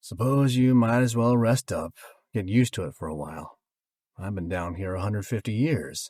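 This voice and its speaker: A man puts on a guttural, sing-song character voice at a medium pitch. He goes at a moderate pace, and the sound is dry and close with no echo. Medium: read story. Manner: folksy, sing-song, easygoing.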